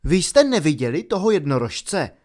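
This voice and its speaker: A man voicing a young male centaur in an audiobook, speaking in a measured, earnest way. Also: a little high, expressive, lightly acted. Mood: indignant. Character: young male centaur, calm grave protector. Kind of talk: audiobook character voice.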